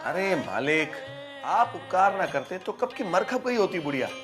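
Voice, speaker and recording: A man's voice: high-pitched, big pitch swings, moderate pace, music in the background. A man playing a tattling, ingratiating servant of a landlord in a rural drama, speaking deferential rustic speech. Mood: fawning. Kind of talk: Hindi rural period drama acting.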